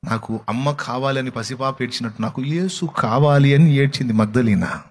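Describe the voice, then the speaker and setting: A man preaching a sermon with passion, moving between hushed, tender speech and heartfelt pleading, with a Telugu accent. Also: medium pitch, normal speed, noisy background. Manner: impassioned preaching that breaks into song, soft and hushed at times. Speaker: pastor. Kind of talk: sermon with sung worship.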